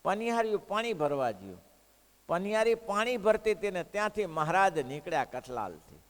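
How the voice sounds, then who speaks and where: A man preaching a devotional sermon, telling a story in an animated way and putting questions to the listeners. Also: high voice, normal speed. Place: hall of a religious school. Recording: echoey hall.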